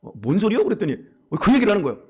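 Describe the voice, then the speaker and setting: Lively fast-talking Korean pastor preaching. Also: male voice, husky. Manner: animated storytelling, acting out dialogue in lowered voices. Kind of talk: dawn service sermon. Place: church sanctuary.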